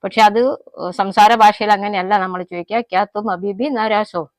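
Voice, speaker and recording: A woman with a Malayali accent, a native Malayalam speaker, teaching everyday Hindi phrases in a casual lesson, explaining them slowly and repeating each example. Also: mid-range voice, steady tone, no echo. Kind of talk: casual spoken-language lesson.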